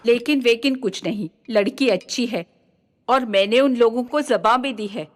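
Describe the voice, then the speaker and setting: Dub casting: actress as a dramatic scolding mother, high bright voice. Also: moderate pace, lightly acted. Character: middle-aged mother, emotional and scolding. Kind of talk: dubbed film acting.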